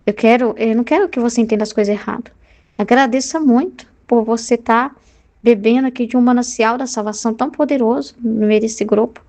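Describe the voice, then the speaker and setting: A woman with a Brazilian Portuguese accent voicing Jesus as a gentle, loving man who gives earnest correction. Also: fairly high pitch, a little fast, close to an everyday voice. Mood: tender.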